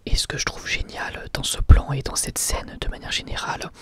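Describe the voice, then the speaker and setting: A man giving a whispered ASMR review of an anime episode, soft and unhurried, full of hesitations and casual slang. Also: no echo.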